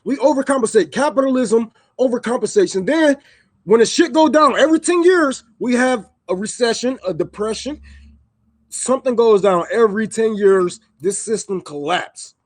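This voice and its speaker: A man's voice: very high voice, expressive, normal speed, dry recording. A man on a livestream, ranting heatedly and with profanity, repeating lines for emphasis. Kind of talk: livestream rant. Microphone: microphone.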